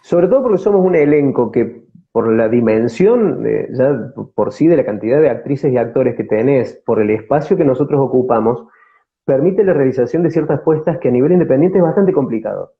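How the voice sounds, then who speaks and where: Animated and fairly quick, a mid-range male voice with a Córdoba Argentine accent gives conversational interview answers over phone-quality sound. He's a theatre company actor, searching for words and repeating them as he speaks.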